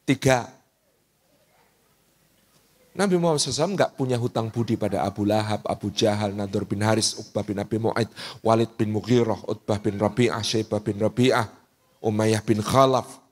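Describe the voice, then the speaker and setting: A man giving a sermon in a lively, humorous storytelling manner. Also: lowish voice, moderate pace, pauses often. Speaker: preacher.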